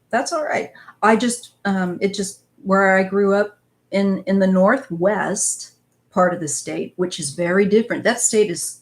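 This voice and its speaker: A woman in her fifties from northwest Missouri, USA, hosts a tarot channel and reads live chat during a casual live stream. Her medium-pitched, darkish voice rambles chattily, and she calls her viewers "you guys."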